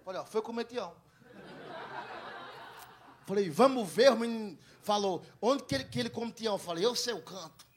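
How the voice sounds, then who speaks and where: A young man with a Northeastern Brazilian accent, from Ceará, performs stand-up on stage for a live audience. His voice sits high and moves at a moderate pace with frequent pauses while he delivers crude stories, acting out the dialogue with animation.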